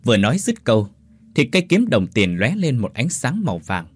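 A man narrating a dramatic ghost story in an animated, lively way, putting on voices for the characters. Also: medium pitch, fairly quick, slightly rough, dry recording.

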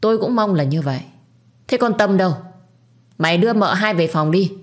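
A woman's voice: mid-range voice, animated, a little fast, pitched above the performer's own voice, close to an everyday voice. A woman voicing a stern older matriarch who scolds and commands her household in an audio story.

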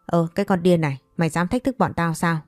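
A woman's voice: lowish voice, fast, darkish tone, dry recording, studio quality, soft background music, natural voice. A woman reading the part of a scheming, defiant stepmother who argues back. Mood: quarrelsome. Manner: argumentative, defiant.

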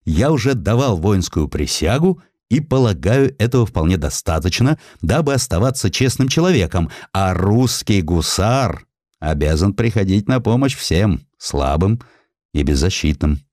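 A man's voice: deep voice, big pitch swings, moderate pace, darkish tone, dry recording, clean studio sound. A man voicing a proud, stubborn young hussar in an audiobook, speaking in resolute declarations. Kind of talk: audiobook character dialogue.

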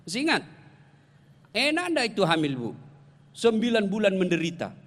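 Joking high-voiced male preacher, echoing hall. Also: moderate pace. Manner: jokey, animated storytelling, addresses the audience directly. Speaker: Islamic preacher. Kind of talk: humorous sermon to a congregation. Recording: long hall reverb.

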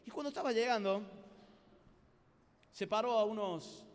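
A man with a Rioplatense Spanish accent preaching a lively youth sermon, telling stories and acting out the voices in them. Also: high-pitched, moderate pace. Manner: animated storytelling with acted-out voices. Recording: live sermon with long hall reverb.

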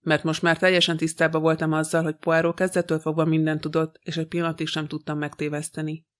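A man reading a novel aloud in the first person, in an even, measured way. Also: fairly high pitch. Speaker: audiobook reader.

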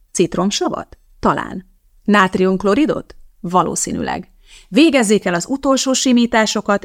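A woman's voice: mid-range voice, gravelly, natural voice. A woman reading the part of a precise, blunt woman chemist, lecturing in a matter-of-fact way. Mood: instructive.

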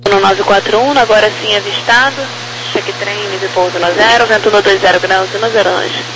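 A woman working as a tower air traffic controller, giving procedural instructions in brisk phrases to a pilot over the radio. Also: mid-range voice, steady tone. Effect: aviation radio transmission. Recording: noisy aviation radio with hum.

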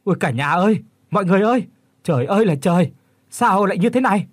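A man's voice: on the high side, expressive, moderate pace, darkish tone, husky, dry recording, clean studio sound. A man doing a frail, terrified old man. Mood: panicked. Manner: breathless, choked pleading.

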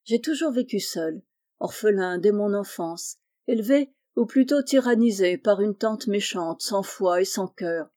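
A woman narrator voices a kind, wealthy middle-aged painter who gently reassures the young men in his care. Her mid-range, measured, lightly acted reading is mellow, warm and tender, with a storybook calm.

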